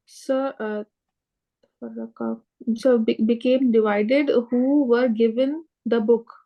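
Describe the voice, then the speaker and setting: A woman's voice: a little high, steady tone, takes it slowly, creaky, highs cut off. A woman student whose first language is Urdu, with a South Asian accent, answering unsurely and deferentially in an online class. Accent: South Asian English.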